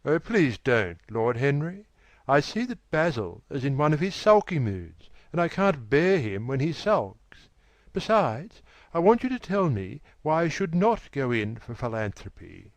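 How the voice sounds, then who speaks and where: A man voicing a petulant, charming young gentleman who talks in a wilful, breathless rush. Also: on the high side, very animated, dry recording, voice pushed up. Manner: wilful, quick, breathless pleading.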